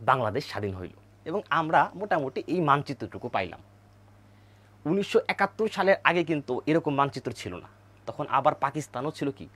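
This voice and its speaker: A man's voice: mid-range voice, a bit bright. A male teacher, giving an online history lesson over map slides, repeating key names and quizzing his viewers. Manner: repeats key words, quizzes viewers, has them chant names aloud.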